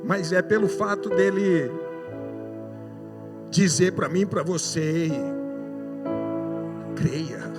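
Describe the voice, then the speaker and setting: A man with a Brazilian Portuguese accent preaching a sermon testimony, telling a story and acting out the dialogue, rising to loud shouts. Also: sits high, slow, pauses often. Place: church hall. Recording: reverberant church hall with music.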